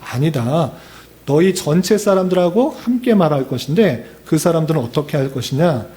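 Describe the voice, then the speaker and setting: A man's voice: on the high side, animated, normal speed, mellow, lightly acted. A male preacher voicing a mocking, boastful enemy commander in a scornful, taunting tone.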